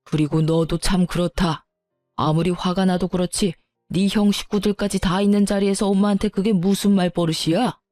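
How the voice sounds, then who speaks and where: A gruff, stern old father-in-law, as a woman puts him on. He speaks low and slow with a dark, mellow tone, scolding like a strict family elder. Faint music plays behind him. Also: fairly even intonation, dry recording, clean studio sound, lightly acted.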